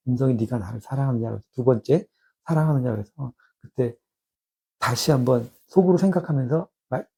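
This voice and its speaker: Guy in his 50s telling his faith story, dark gravelly voice, stops and restarts a lot. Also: mid-range voice. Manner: halting, reflective storytelling with many restarts. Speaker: theologian giving testimony. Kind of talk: personal spiritual testimony.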